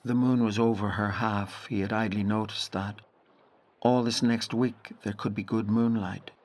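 A reflective Northern Irish storyteller played by a man with a fairly low voice. He narrates a literary audio drama, setting out each phrase in a deliberate, measured way. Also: steady tone, a little mellow, natural voice. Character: reflective male storyteller recalling a boy's rural Irish childhood.

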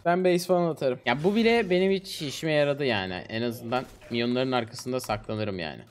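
A man's voice: mid-range voice, fairly quick, a little hiss or hum. A young man hosting a gaming stream with casual, slangy, complaining commentary and banter. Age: young adult. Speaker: streamer and video host. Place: small indoor streaming room. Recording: music behind the voice. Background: music.

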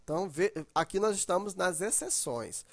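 A man's voice: high voice, lively intonation, normal speed, gravelly, no echo. Dry-voiced male teacher. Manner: explanatory, repeats checks like "ok" and "ó". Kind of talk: recorded grammar lesson.

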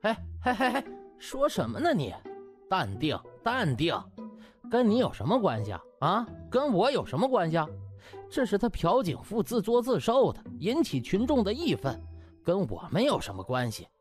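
A male narrator plays a cocky young hospital intern in a comic audiobook drama. He is brash and glib, with hugely animated intonation, over faint music. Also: sits high, moderate pace, pitched above the performer's own voice. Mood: dismissive.

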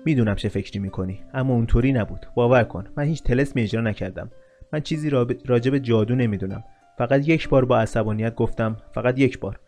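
A man's voice: medium pitch, mellow, faint music behind, natural voice. Man reading as a scornful nobleman. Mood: confessing. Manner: scornful, pleading, insulting. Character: arrogant, desperate young nobleman in chains.

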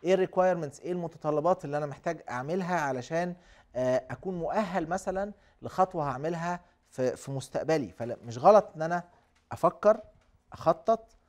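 Egyptian male guest, quick but calm explainer on live TV. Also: a little high. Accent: Egyptian Arabic. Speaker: guest speaker. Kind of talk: live studio talk show.

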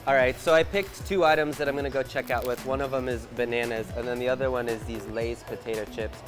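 Speaking fast in a medium-pitched, steady voice, a man in his thirties gives a chatty, curious walk-through of a large supermarket while shopping, filming handheld on location. Music plays in the background.

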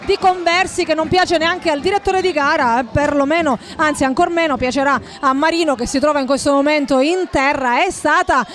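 A woman calls a live football match in an extremely high-pitched voice. Her phrasing is wordy and formal, broken by frequent hesitations as she follows the play. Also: a little fast, few pauses, fairly bright tone.

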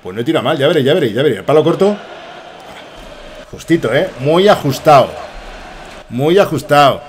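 Excitable Spanish gaming streamer. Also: male voice, a little high, brisk, slight background noise. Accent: Spain Spanish. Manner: excitable, rambling, swears a lot. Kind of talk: excited gameplay commentary.

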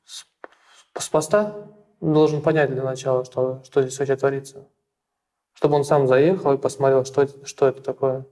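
A young man from Russia answering interview questions in a small plain room, halting and repeating words with many fillers. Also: mid-range voice, little pitch movement, mellow. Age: young adult.

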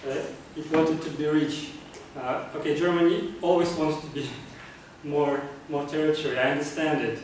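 Picked up by a distant camera in an echoey meeting room with slight background noise, a Kazakh club speaker delivers a prepared, earnest speech. His slightly high, darkish voice keeps fairly even intonation at a moderate pace, and he often restarts phrases with fillers.

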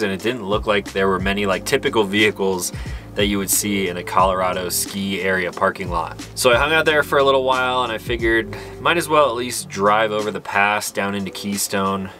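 A man in his thirties talks in a fairly low voice. He chats informally, as a vlogger does to his followers, from inside a small truck camper. Some music plays behind him. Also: sharp tone. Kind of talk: casual chat to camera.

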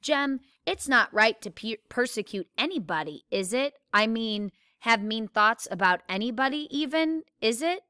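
A woman's voice: on the high side, animated, normal speed, few pauses, sharp tone, clean tone, no room sound, studio quality, pitched above the performer's own voice. A woman voicing a blunt, curious young tomboy girl with earnest questions in a read-aloud novel.

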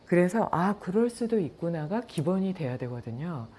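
A middle-aged woman, a yoga and meditation teacher, talking casually and calmly, telling stories and acting out what people said. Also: lowish voice, normal speed, a little hiss or hum. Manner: anecdotal, calm, with acted-out quotes. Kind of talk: casual talk to viewers.

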